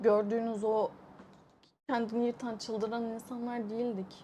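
This woman's voice sits at a fairly high pitch, with a calm tone. She keeps a moderate pace and a monotone, flat intonation. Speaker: streamer's girlfriend. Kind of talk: casual chat. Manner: soft-spoken.

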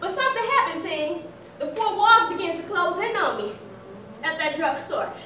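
A woman speaks with an extremely high pitch and lively intonation in a raised, projected voice. Audible room echo and light background noise come through. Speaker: network marketing team leader. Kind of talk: motivational business training talk. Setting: stage with audience. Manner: fast talker; animated. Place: meeting room. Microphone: camera far.

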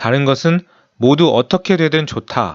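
The delivery comes at a very slow pace with lively intonation. The sound is dry and close, with no echo. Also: man. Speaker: wealth consultant and video creator. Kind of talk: reading aloud a passage, then personal commentary. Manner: calm, measured, formal; halting, with fillers like 어 and 음 in commentary.

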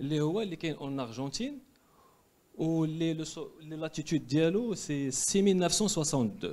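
Lively intonation marks a man's voice, which sits high in pitch. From Morocco. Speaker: banker and mountaineer; guest. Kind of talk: personal testimony; seminar talk. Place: hall. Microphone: handheld.

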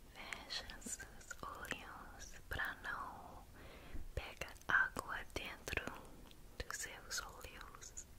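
A woman whispering at a very slow pace. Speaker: roleplay host. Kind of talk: roleplay ASMR-style talk to viewer. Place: home room. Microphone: earbuds.

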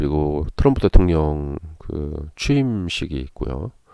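This man's tone is dark and mellow, with very wide pitch swings. He talks at a fairly slow pace. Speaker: stock market analyst. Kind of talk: market analysis commentary.

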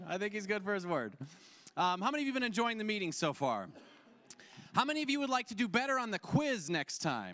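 A man with a high, bright, sharp voice projects loudly at a very fast pace, his pitch swinging very widely, broken by long, frequent pauses. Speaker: local church representative; speaker. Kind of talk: announcements. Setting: stage with audience. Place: church. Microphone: handheld.

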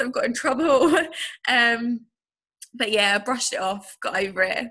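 A woman's raised, projected voice, high-pitched with a bright, sharp tone, at a moderate pace in a southeastern English accent, over a quiet background. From southeast England. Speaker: PE teacher. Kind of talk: casual interview. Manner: giggly, self-conscious. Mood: relaxed, cheerful. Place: home room. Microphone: webcam.

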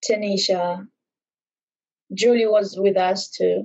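Someone with an Israeli accent speaks in a monotone, flat intonation over a quiet background. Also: woman. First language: Hebrew. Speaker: college basketball player. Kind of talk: casual interview. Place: home room. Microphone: video call.

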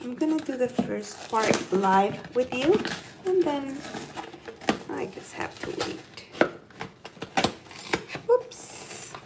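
Soft-spoken and very slow, a woman with a high pitch talks in very wide pitch swings and big swings in loudness, leaving long, frequent pauses over loud background noise. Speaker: ASMR content creator. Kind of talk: ASMR livestream chat, casual talk to camera. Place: kitchen. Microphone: phone near.

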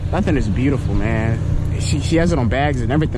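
Over loud background noise, a man talks at a very fast pace with a dry sound and no echo. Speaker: car owner vlogger. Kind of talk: casual vlog chat. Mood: upbeat, proud. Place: open country. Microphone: phone near.

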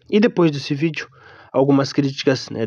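A man with a Brazilian accent speaks at a fairly quick pace, fairly high in pitch with ordinary pitch variation, in a dry, close sound with no echo. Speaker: YouTuber commenting on church sermon. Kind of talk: casual vlog commentary. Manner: casual, hesitant, filler-heavy.

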